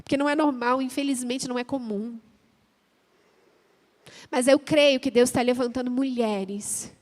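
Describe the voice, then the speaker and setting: A woman pastor with a Brazilian Portuguese accent preaching a sermon, telling a personal story and then praying out loud with fervour. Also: sits high, fairly even intonation, unhurried. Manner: storytelling, acting out both sides of a marital argument; rises to loud fervent prayer. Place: church. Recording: church hall with long reverb.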